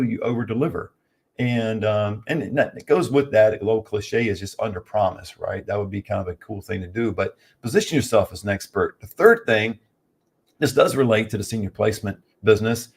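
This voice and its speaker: A man's voice: lowish voice, a little mellow. A man coaching in an informal motivational business talk, conversational, repeating key points for emphasis and often checking in with short tag questions. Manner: conversational, emphatic repetition, frequent "right?" tags.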